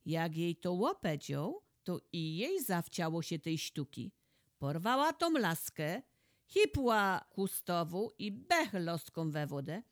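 A woman with a Polish highlander accent from Podhale, telling a folk tale in dialect. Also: sing-song, takes it slowly, dry recording, studio quality. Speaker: storyteller.

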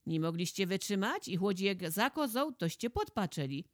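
A woman with a Podhale highlander accent voicing a stern old village lord who mocks and scolds in a folk tale. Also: very animated, moderate pace, dry recording, studio quality, lightly acted. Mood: scolding. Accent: Polish highlander (Podhale). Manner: mocking, scolding.

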